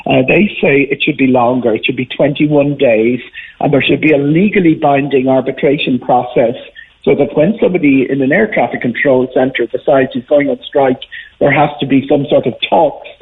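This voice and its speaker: An Irish man speaks as a guest analyst on a radio show, heard through a narrow phone-like connection. His voice is husky, and he explains things off the cuff, pausing and repeating words as he builds each point. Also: medium pitch. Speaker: travel commentator, radio guest. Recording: muffled phone-like line on radio.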